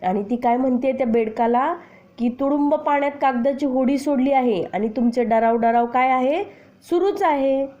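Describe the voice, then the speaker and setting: A woman teacher explaining a children's poem to her class, reciting lines slowly and then explaining each word with questions to the pupils. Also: high-pitched, mellow. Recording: dull lo-fi recording.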